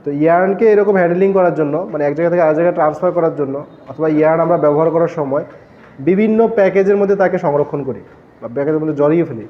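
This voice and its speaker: A textile engineering lecturer explains his topic step by step in class, asking questions he then answers himself. He talks fast with a fairly high pitch, and the recording's highs are cut off.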